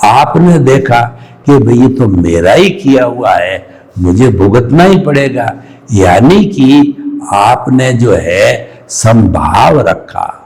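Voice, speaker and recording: Slow, gravelly-voiced male spiritual teacher. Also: mid-range voice, sing-song, darkish tone, low-quality recording. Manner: explanatory, emphatic, everyday analogies. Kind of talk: spiritual discourse.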